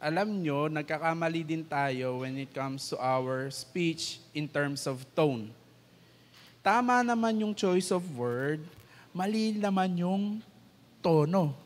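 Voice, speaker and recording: A man's voice: on the high side, animated, slow pace. A man with a Filipino accent giving a conversational church teaching, mixing English into his talk and acting out quoted lines. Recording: church hall with long reverb.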